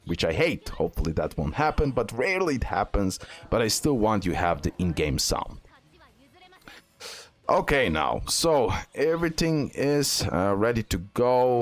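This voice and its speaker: A man with a fairly low voice talks through game strategy as a video host. He is a non-native English speaker. His delivery is informal, and he often repeats phrases to stress a point. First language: not English. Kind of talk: casual game strategy commentary over recorded gameplay.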